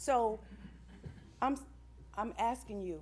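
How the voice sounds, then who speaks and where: Audible room echo follows a woman as she talks very slowly. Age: 60s. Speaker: resident, public commenter. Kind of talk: public comment at council meeting. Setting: city council meeting.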